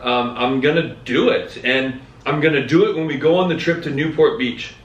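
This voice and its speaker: A man in his thirties co-hosting a podcast, telling a story in a lively, casual way. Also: medium pitch, normal speed, dull audio. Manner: animated, acts out quoted voices. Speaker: podcast co-host. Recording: echoey room, mic at a distance.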